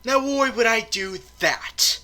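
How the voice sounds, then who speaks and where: A woman's voice: a little high, slow pace, sharp tone. A woman playing Lucifer, a boastful, teasing devil supervillain, in a theatrical, emphatic comedy skit style. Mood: casual, teasing.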